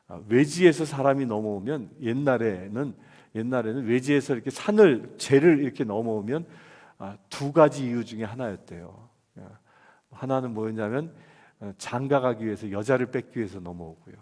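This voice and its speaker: A man's voice: mid-range voice, darkish tone. A man with a Seoul Korean accent preaching a conversational sermon, asking the listeners questions and answering them himself. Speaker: pastor. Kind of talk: expository sermon. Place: church. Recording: long hall reverb.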